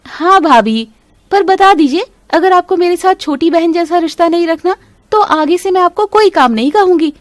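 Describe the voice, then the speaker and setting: A spoiled young sister-in-law whines and pouts in a high, bouncy voice, voiced by a woman. She sounds demanding and childish, a storybook cartoon brat. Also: lively intonation, moderate pace, no room sound. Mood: pouty. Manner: whiny, pouting. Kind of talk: animated storybook voice acting.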